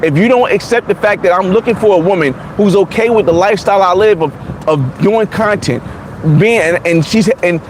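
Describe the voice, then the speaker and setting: Man in his 40s, high voice, blunt, restarts often, casual chat, faint traffic noise outdoors. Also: normal speed. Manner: blunt, repetitive, many restarts. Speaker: vlogger. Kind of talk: casual livestream chat reading comments.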